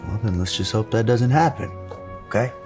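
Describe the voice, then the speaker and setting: An actor playing a confident, wealthy young surgeon who talks coolly and teasingly. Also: male voice, on the low side, fairly quick, close to an everyday voice. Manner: cool, teasing, self-assured. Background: music.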